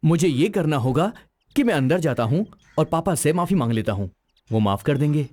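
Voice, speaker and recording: An actor dubbing a naive, timid young nephew, talking in a pleading way. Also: male voice, on the high side, expressive, normal speed, a little mellow. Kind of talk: Hindi film dubbing.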